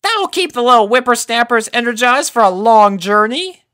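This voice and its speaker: Elderly farm granny mare for a pony tale, high and bright, spry, folksy; male reader. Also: expressive, moderate pace, smooth, exaggerated voice. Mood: cheerful. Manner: shrill, folksy.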